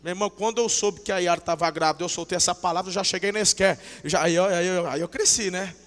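Fervent high-voiced male preacher, hall reverb. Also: quick pace. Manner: swings from shouted outbursts to low intimate talk; fervent and emotional, acts out dialogue. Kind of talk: sermon. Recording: long reverb of a large hall.

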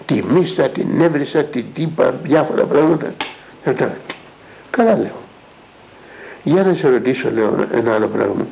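An elder monk, an older man, recounts a conversation during a spiritual talk, marking every line with "I say" and "he says." His medium-pitched voice is animated and creaky, broken by long pauses, with a little hiss or hum. It sounds like a dull lo-fi radio broadcast.

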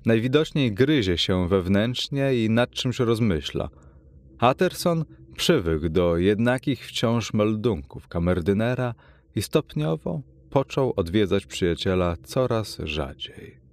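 Male audiobook narrator, very deep, expressive and measured. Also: no room sound. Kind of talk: audiobook narration of a classic novel.

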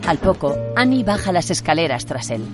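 Castilian woman narrating over loud music. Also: fairly low pitch, big pitch swings, brisk. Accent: Castilian Spanish. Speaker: audio describer. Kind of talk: scripted audio description narration.

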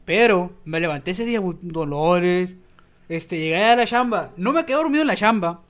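A young Mexican man co-hosting a podcast tells a rambling story packed with slang and swearing. His voice is high, animated, and a bit bright, at a moderate pace, in a casual storytelling chat.

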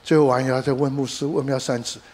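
A middle-aged man preaching from the pulpit, his voice sitting at an ordinary middle pitch. He leans hard on key phrases and slips English words into his sentences. Between points he tells stories in a conversational way. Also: rapid-fire. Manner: code-switches with English words, animated emphasis, storytelling asides. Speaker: pastor. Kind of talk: sermon.

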